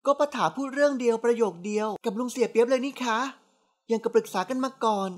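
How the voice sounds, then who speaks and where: A woman's voice: a little high, steady tone, fast talker, voice pushed up, lightly acted. A woman reading a novel aloud, voicing a playful, sassy young woman who teases her aunt. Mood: coaxing. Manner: bright, coaxing and sassy. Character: playful cheeky young woman, teasing niece.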